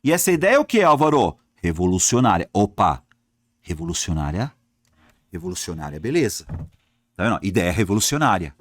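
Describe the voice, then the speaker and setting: A low-voiced man speaks briskly in a clean, echo-free studio recording. He's teaching an exam-prep grammar lesson, addressing his students directly in a lively way and posing questions he then answers himself.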